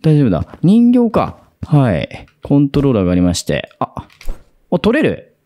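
A young man narrates his way through a horror game. He is excitable, breaking into loud, jumpy reactions, and his pitch swings wildly from deep murmurs to high yelps. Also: normal speed. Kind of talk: game commentary.

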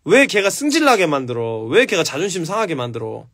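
A man's voice: on the high side, wildly swooping pitch, fairly quick, fairly bright tone. A man hosting a casual live stream, answering viewer questions with blunt, profane advice.

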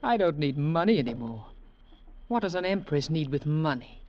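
A woman's voice: low-pitched, very animated, moderate pace, slight background noise. An actress playing a seductive, coldly power-mad woman with an imperious, theatrical manner in a 1940s radio drama. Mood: seductive, gloating. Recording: muffled 1940s radio recording.

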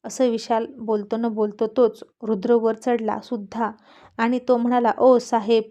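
A woman storyteller reading a serialized family story in an expressive, lively way. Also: fairly high pitch, normal speed, muffled recording.

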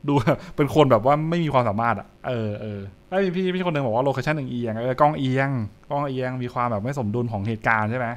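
Speaking quickly with few pauses, a young man at medium pitch gives off-the-cuff live reactions to horror comics. He repeats brief phrases while thinking out loud, and music runs in the background.

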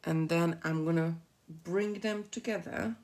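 A middle-aged Hungarian-accented woman with a notably low, deep voice walks viewers through a beading project. She chats freely and drifts into giggly asides as she works at a craft table. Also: unhurried, a little mellow. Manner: chatty, giggly, rambling asides while working. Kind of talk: live beading tutorial.

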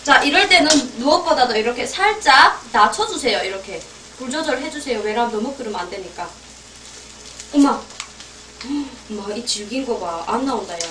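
A woman's voice: on the high side, animated, normal speed, roomy sound, distant mic, noisy background. A woman vlogger talking playfully to her viewers while she cooks, chatting to herself as she goes. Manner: playful, talks to herself while cooking, giggly. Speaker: cooking vlogger. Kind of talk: chatty cooking demonstration. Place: kitchen. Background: frying and sizzling food.

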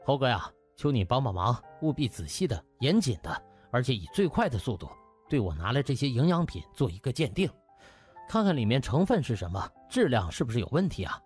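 A man's voice: mid-range voice, very animated, a little fast, darkish tone, soft background music, natural voice. A man voicing a cocky, affable young male doctor, breezy and ingratiating as he speaks. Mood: earnest pleading.

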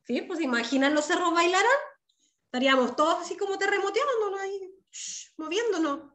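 A woman's voice: extremely high pitch, brisk, a bit bright. A woman with a Chilean accent teaching young children over a video call, patient and affectionate. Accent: Chilean Spanish. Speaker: primary school teacher. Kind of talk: online class teaching.

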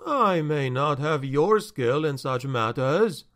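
A man's voice: a little high, lively intonation, fairly bright tone. A man reading a story aloud, voicing an anxious male steward who talks in a shaky, pleading way. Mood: agitated. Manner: shaky, agitated, slow and pleading.

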